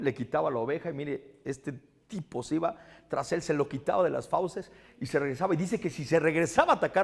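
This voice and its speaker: A man giving a lively storytelling sermon, often questioning his audience. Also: on the high side, gravelly. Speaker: parish speaker. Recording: long reverb of a big hall.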